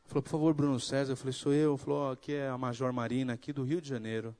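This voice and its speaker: A man's voice: medium pitch, quick pace. A man from Brazil giving a sermon testimony, acting out the dialogue in his story and building to fervent preaching. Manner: animated storytelling, acts out dialogue.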